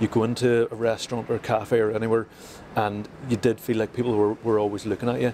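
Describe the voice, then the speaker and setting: Very fast and in a monotone, flat intonation, a man with a Northern Irish accent speaks in a medium pitch at very even loudness. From Northern Ireland, Derry. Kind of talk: interview.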